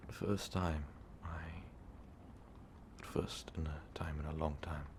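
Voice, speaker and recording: Fully in character, a man voices a remorseful, lovestruck vampire overlord for ASMR, wistful and confessional as he addresses the listener. His tone holds steady in a breathy, whispery, gravelly low register, the formal words arriving slowly and haltingly over slight background noise.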